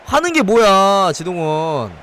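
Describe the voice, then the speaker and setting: Male game streamer, high and bouncy, stuffy with a cold, playful waiter-bit patter. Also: slow, slight background noise. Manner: playful, banters in a mock nightclub-waiter patter; shouts excitedly at chances on goal. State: head cold, sore throat. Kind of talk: live gameplay commentary.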